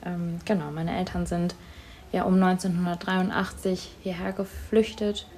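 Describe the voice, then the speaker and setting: A woman with a slightly low voice, interviewed for a school project. Her first language is Tamil. She answers calmly and thoughtfully, pausing often to find her words. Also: slight background noise. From Germany. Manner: thoughtful, many hesitations.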